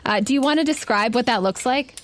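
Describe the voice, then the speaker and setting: A woman's voice: fairly high pitch, a little fast. A woman running a tabletop game, narrating off the cuff and putting questions to the players. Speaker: game master.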